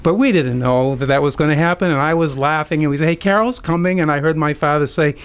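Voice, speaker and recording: Radio storyteller: American male, 60s, slightly high-pitched, anecdotal and amused delivery, unscripted. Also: quick pace, smooth. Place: community radio studio.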